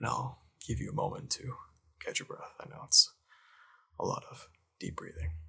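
Whispering, a man speaks with long, frequent pauses and big swings in loudness. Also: moderate pace. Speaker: doctor roleplay ASMR creator. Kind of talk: ASMR roleplay, whispered doctor's exam. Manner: gentle, reassuring bedside tone.

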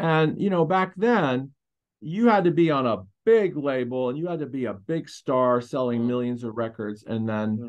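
A man with an American accent speaks at a medium pitch and a moderate pace, with lively intonation and a quiet background. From United States. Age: 60s. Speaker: music composer; podcast guest. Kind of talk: casual interview. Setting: video call. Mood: reflective, spiritual, warm. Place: studio. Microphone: webcam.

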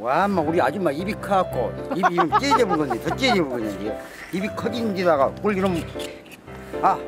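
A man with a strong Jeolla accent at a moderate pace, loud music in the background. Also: dry sound with no echo. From South Jeolla, Wando island. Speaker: oyster farmer. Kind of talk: casual talk in documentary. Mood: wry, joking about his wife. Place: boat.

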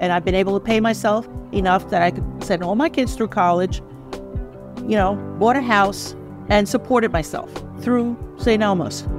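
Over music in the background, the speaker keeps a moderate pace with long, frequent pauses, lively intonation and very even loudness. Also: woman, medium pitch for a woman. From Cuba. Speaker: coffee shop owner. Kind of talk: oral history interview answer.

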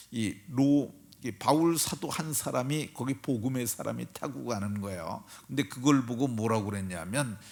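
A man with a plain, everyday voice speaks fairly slowly at a medium pitch, using lively intonation. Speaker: pastor. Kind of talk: sermon. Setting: church. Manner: formal.

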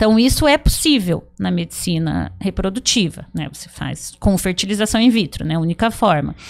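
A woman with a Paraná accent, vocal fry, lively intonation and big swings in loudness. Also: moderate pace, hardly any pauses. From Paraná, Brazil (Londrina); Paraná, Brazil. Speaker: gynecologist; guest. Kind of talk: interview; interview answer. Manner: halting. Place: studio. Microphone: studio mic.

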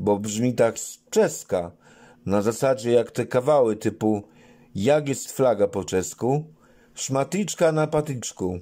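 Speaking at a very slow pace, a man with a medium pitch and a dark, mellow tone is heard in a very clean recording with a silent background. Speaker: stand-up comedian. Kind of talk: stand-up comedy.

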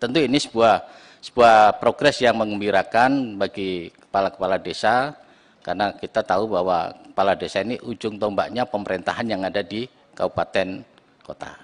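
A man with a fairly low pitch, ordinary pitch variation and a fairly quick pace. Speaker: member of parliament. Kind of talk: parliamentary questioning. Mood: calm, formal. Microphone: podium.

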